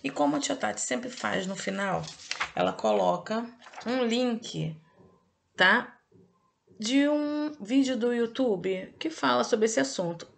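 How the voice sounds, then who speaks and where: Gravelly woman teaching children. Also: a little high, lively intonation, slight background noise. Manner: didactic, drawn-out emphasis, checks in with "ok?" and "tá?". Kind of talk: online review lesson for children.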